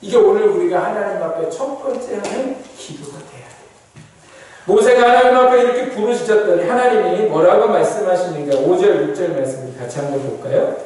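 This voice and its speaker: High-voiced pastor preaching in an echoey church. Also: male voice, fairly quick. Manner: asks the congregation rhetorical questions again and again; swings between raised, emphatic lines and low, quiet ones. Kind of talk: sermon. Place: church sanctuary. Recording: very echoey church, voice from a distant mic.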